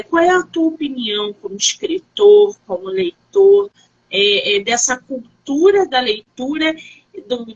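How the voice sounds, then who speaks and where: Brazilian female host for an informal live interview: highish voice, swooping intonation, wordy questioning. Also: a bit bright, muffled recording. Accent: Brazilian Portuguese.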